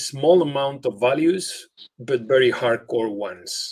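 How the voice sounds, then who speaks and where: A man with a Spanish accent, medium-pitched and somewhat breathy, at a fairly slow pace. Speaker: community organizer. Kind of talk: interview. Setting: video call. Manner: halting.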